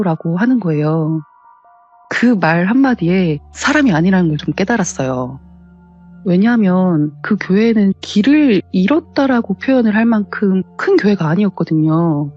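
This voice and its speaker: Mellow, husky woman telling a ghost story. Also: mid-range voice, muffled recording. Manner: polite, explanatory narration. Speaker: caller telling a personal story. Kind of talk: conversational first-person telling of a ghost story. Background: background music.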